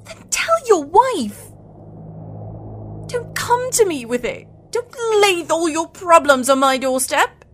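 Actress as high-voiced, sardonic woman lover. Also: slow, long pauses, a little hiss or hum. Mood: outraged, sardonic. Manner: expressive, sardonic, swearing. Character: sharp-tongued, foul-mouthed woman lover, wry then furious. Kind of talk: audio drama acting.

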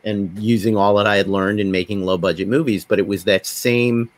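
A man's voice: lowish voice, steady tone, fairly quick, no room sound. Conversational, anecdotal man in middle age. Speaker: podcast panelist, independent filmmaker. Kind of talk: conversational storytelling in a panel discussion.

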